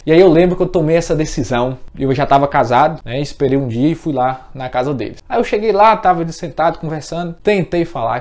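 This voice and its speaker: A man's voice: on the high side, a little mellow. A man in his twenties from Brazil, giving an earnest, emotional personal testimony as a Christian speaker, repeating words as he tells his story.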